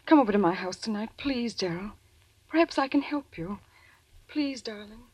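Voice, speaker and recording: An actress playing a gentle, devoted young woman who pleads in a breathy voice in an old-time radio drama. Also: mid-range voice, animated, moderate pace, natural voice. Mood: pleading.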